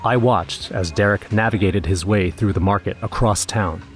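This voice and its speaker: A man's voice: on the low side, normal speed, natural voice. An actor playing an anxious young man who narrates his own horror story in a scripted audio drama. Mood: dread. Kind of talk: first-person scripted horror narration with acted dialogue.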